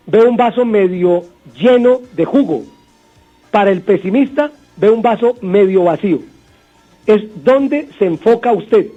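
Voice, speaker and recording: A man with a Colombian accent hosting a motivational radio sermon, repeating points and telling stories; his voice sounds strained. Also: high-pitched. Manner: warm storytelling, repetitive exhortation. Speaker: radio host. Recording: dull radio broadcast, faint music.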